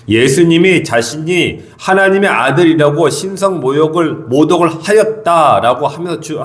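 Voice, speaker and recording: Middle-aged man, pastor, dawn sermon; earnest teaching tone, lively pitch movement, stresses points by repeating them. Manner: earnest, expository preaching with repeated emphasis. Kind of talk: early morning sermon.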